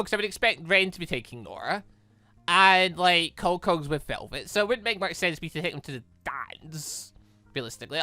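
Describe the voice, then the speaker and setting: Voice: medium pitch, bright, forceful tone, no room sound. A gaming video host giving casual, rambling commentary, thinking aloud while playing.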